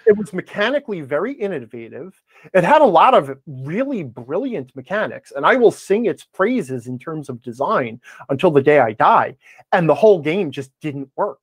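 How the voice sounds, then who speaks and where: A man speaking as a podcast guest, giving opinionated, emphatic explanations in conversation and often checking in with a quick okay or right. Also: on the high side, big pitch swings, husky, dry recording. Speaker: podcast guest, game design commentator.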